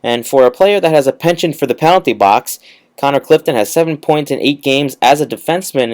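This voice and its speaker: A man's voice: mid-range voice, a little mellow. A young man hosting a college radio sports show, delivering a recap in an announcer style straight to listeners. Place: radio studio, alone.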